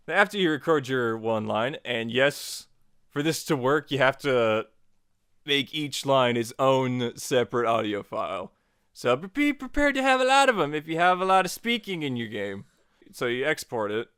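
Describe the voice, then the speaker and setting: A man's voice: medium pitch, fairly bright tone, clear, resonant tone, no echo, studio quality. A man narrating a tutorial as its host in an informal, jokey, casual way.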